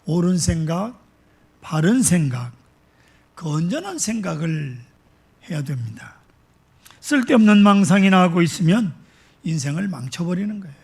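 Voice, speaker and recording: A male pastor delivering a slow, emphatic sermon to his congregation, asking rhetorical questions. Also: sits high, sing-song, creaky, darkish tone, breathy edge.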